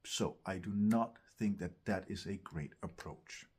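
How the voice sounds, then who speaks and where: A man with a lowish, husky voice gives instruction as a vocal coach. He talks at an unhurried pace, searching for his phrasing and repeating words for emphasis. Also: darkish tone. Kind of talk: instructional talk to camera.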